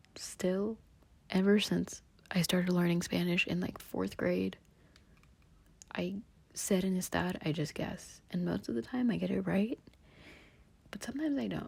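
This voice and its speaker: A soft-spoken woman with an American accent, at a moderate pace with long, frequent pauses. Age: 20s. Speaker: student vlogger. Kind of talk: casual vlog talk.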